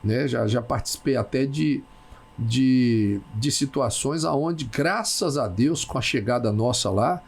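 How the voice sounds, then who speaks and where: A man hosting a casual talk show, who speaks haltingly and repeats words as he searches for them. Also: mid-range voice, vocal fry, husky.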